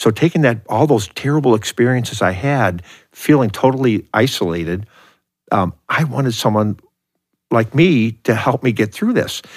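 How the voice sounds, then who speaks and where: Heard on a very clean recording with a silent background, a man of medium pitch speaks in a normal speaking voice. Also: lively intonation, moderate pace. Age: 60s. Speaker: printing businessman. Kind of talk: casual chat.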